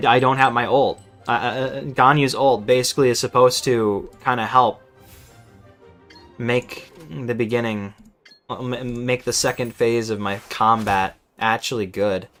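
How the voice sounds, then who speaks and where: Male streamer, mid-pitched, casual and exasperated, swears freely, stammers when flustered, music behind. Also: steady tone, unhurried, pauses often, a bit bright. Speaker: game streamer. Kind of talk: casual live gameplay commentary. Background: game music.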